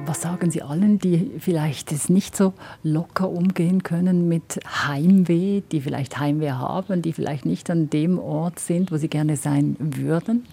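A woman's voice: deep voice, measured pace, vocal fry, few pauses, mellow, husky. A Swiss German woman hosting a radio show, asking layered questions and narrating between the talks. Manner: probing, asks layered questions. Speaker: radio host.

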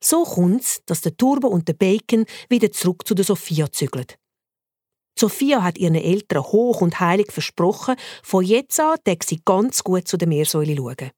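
A woman with a Swiss German accent reading a children's story aloud in a lively, expressive way. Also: lowish voice, normal speed, dry recording, clean studio sound. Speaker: narrator.

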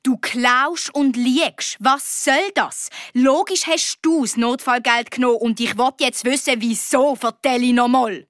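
A woman's voice: fairly high pitch, slow, hardly any pauses, fairly bright tone, smooth, no room sound, studio quality. A woman with a Swiss German accent voicing a young girl's father, cold and reproachful, in a children's story. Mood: stern. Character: stern, angry father of a young girl.

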